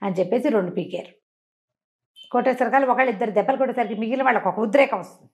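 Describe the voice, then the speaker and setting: A woman telling a children's moral tale in an animated, conversational way, slipping into the characters' dialogue as she narrates. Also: a little high, very fast. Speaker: storyteller.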